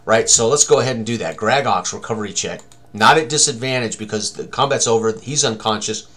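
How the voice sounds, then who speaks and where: A man's voice: mid-range voice, a little fast, a bit bright. An older man thinking aloud as game master, narrating a tabletop combat tutorial with dramatic turns of phrase. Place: small room indoors at a computer.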